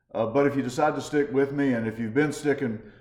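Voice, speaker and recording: A man's voice, with ordinary pitch variation, rings with audible room echo. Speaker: devotional speaker. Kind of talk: devotional talk. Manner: halting.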